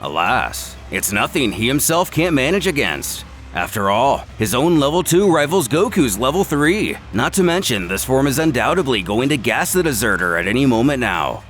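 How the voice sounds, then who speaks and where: Dramatic male narrator, very animated pitch. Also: moderate pace, soft background music. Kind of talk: dramatic scripted story narration.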